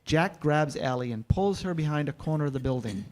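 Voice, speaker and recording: A man reads scripted scene directions as the narrator of a staged reading. His voice is a little high for a man. He describes the action in the present tense. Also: expressive, fairly quick, a little mellow.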